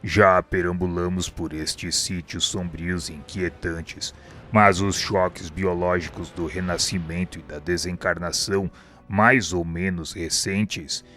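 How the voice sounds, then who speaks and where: An actor with a Brazilian accent playing a wise, calm male spirit guide who explains things in a solemn, measured, formal way in a radio drama. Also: low-pitched, soft background music. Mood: calm, instructive.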